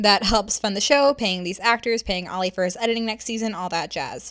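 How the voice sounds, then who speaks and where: A woman with a normal speaking voice talks at a fairly quick pace and medium pitch, with ordinary pitch variation. The recording is very clean, with a silent background. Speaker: show writer and producer. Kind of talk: casual outro announcement with plugs. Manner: casual, chatty, filler-heavy.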